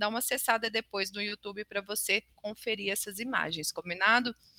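A woman's bright, sharp voice with a Minas Gerais accent, dry and close with no echo. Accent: Minas Gerais (mineiro). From Minas Gerais, Brazil. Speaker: running podcast host. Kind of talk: casual news roundup. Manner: animated.

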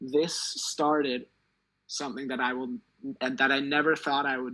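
With an American accent, a man speaks at medium pitch in a bright, sharp tone with monotone, flat intonation. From Wisconsin, Milwaukee. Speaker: professional soccer player. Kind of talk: casual interview. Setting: video call.

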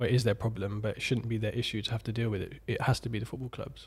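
A man with a British accent speaks at a very fast pace and medium pitch, with fairly even intonation and a somewhat breathy sound. The recording is very clean, with a silent background. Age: 30s. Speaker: former footballer and clothing business owner. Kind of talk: interview conversation.

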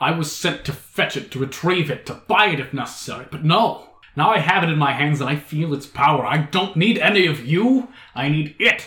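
Putting on a character voice, a man speaks at a moderate pace and a fairly high pitch. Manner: gloating, possessive.

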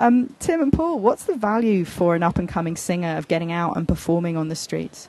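A woman at a fairly quick pace, hardly any pauses, over noticeable background noise. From England, Canterbury. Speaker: radio host. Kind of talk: interview. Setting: outdoors.

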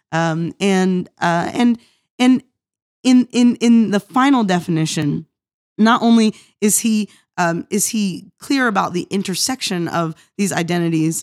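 A woman with an American accent talks at a moderate pace with ordinary pitch variation in an unremarkable speaking voice. The recording is very clean with a silent background, and the sound is dry and close with no echo. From US Northeast, Philadelphia area. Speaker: theology professor and pastor. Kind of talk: academic conversation.

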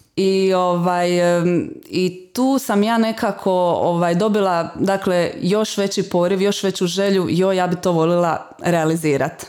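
A woman talks in an ordinary speaking voice at medium pitch, with very even loudness and a fairly slow pace. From Croatia, Zadar (Dalmatia). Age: 30s. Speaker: volunteer traveller. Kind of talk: casual interview.

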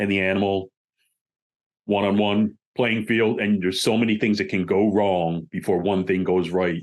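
A man with an American accent and an ordinary speaking voice, fairly low-pitched with fairly even intonation, at a moderate pace against a quiet background. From US Northeast, Pennsylvania. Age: 50s.

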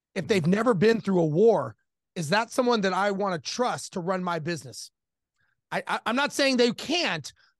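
A man with a Californian accent speaks at a moderate pace in a high pitch with lively intonation. The sound is dry and close with no echo, over a quiet background. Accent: General American (California). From US West Coast (Los Angeles). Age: 40s. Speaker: airline pilot and real estate investor. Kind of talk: interview.

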